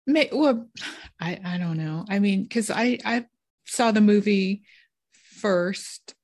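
A woman's voice: medium pitch, darkish tone. A woman co-hosting a podcast, playfully quizzing the others on movie trivia. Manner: playful quizmaster, unhurried. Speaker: podcast co-host running a trivia quiz. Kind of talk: casual chat.

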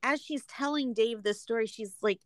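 A woman's voice: on the high side, normal speed, no echo, studio quality. An American woman co-hosting a podcast in a casual, conversational recap style. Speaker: podcast co-host.

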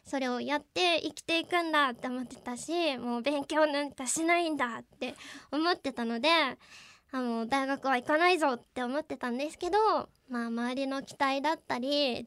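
A woman's voice: high voice, moderate pace, fairly bright tone. A young woman with a cute, girlish, anime-like voice, talking politely and earnestly as a radio co-host. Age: young adult. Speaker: live streamer and radio co-host. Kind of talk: radio-style personal talk. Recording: music bed behind the voice. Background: background music.

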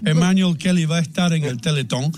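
A man's voice: on the high side, quick pace, a little mellow. Man interpreting live. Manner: restarts often, stammering while interpreting. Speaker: TV host and interpreter.

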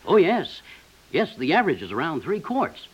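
On a muffled old radio recording, a courteous, awkward milkman from a 1950s comedy. His husky voice jumps widely in pitch as he speaks haltingly and earnestly. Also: wildly swooping pitch, exaggerated voice. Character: polite, bashful milkman calling as a suitor.

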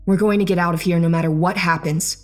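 A man doing a calm female squad leader. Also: high voice, quick pace, voice pushed up, natural voice. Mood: reassuring. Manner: steady, reassuring, matter-of-fact orders. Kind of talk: horror story narration. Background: soft music.

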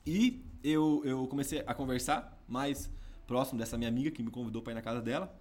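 A man with a Brazilian accent, a podcast guest telling his story in an animated, casual way. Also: mid-range voice, fairly quick. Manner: animated, peppers speech with "cara" and "entendeu".

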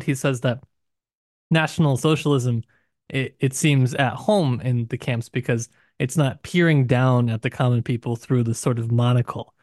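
A man's voice: mid-range voice, darkish tone, no room sound, studio quality. A man co-hosting a podcast book discussion, talking in an earnest, explanatory way. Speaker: podcast co-host.

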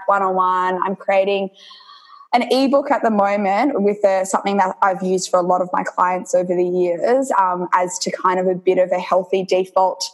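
A woman's voice: mid-range voice, rough recording. A young woman from Indonesia, a health coach, talking casually in an interview and filling her speech with lots of ums and "you know".

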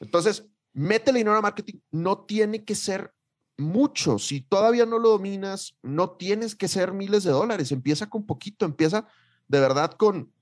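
Animated Mexican man, slangy podcast host. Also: high-pitched, moderate pace. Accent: Mexican Spanish. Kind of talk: casual podcast chat.

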